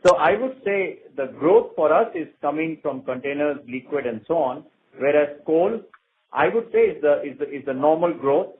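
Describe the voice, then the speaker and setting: An Indian man, a company executive, answering investor questions on an earnings call in a deliberate, point-by-point way. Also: fairly high pitch, lively intonation. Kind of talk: earnings call answer, unscripted business talk. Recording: narrow, noisy conference phone line.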